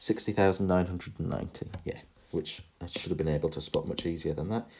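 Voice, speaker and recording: A man with a very deep, low voice and a dark, mellow tone speaks with ordinary pitch variation. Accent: English. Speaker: primary school teacher. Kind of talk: maths tutorial. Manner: casual, thinking aloud; mumbling to himself.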